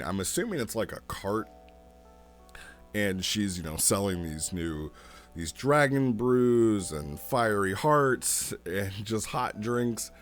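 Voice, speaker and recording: Man, very low voice, slow pace, casual storytelling, halting delivery, amused, music behind. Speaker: host reviewing online roleplay sessions. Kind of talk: casual commentary, retelling a story.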